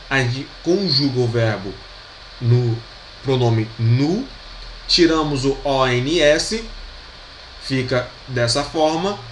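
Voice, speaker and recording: Man, Brazilian accent, French teacher, slow and patient, repeats every word, echoey room, faint hum. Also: on the high side, a bit bright. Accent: Brazilian Portuguese. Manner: patient, repeats each pronunciation and checks with "certo?". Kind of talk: video lesson explaining grammar. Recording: roomy echo with faint background hum.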